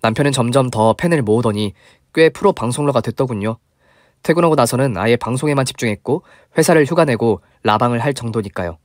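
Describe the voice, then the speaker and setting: A man's voice: medium pitch, animated, fast, no echo, clean studio sound. A man giving scripted storytelling narration in a chatty, confiding manner.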